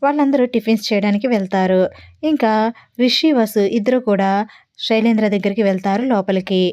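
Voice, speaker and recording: A woman narrating a homemade serial story in a steady, plain reading voice. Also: medium pitch, brisk, dry recording. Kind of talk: fan fiction story narration.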